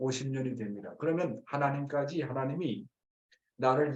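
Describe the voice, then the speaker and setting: Here a man talks in a normal speaking voice. His pitch is medium, with ordinary pitch variation. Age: 60s. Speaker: church minister. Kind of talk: sermon.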